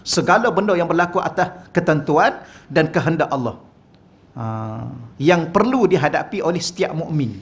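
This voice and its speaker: This religious teacher, a man with a Malaysian Malay accent, talks at normal speed with lively intonation and a fairly high pitch. Speaking into a wireless microphone in a mosque hall, he delivers a humorous, conversational lecture and often asks the audience questions.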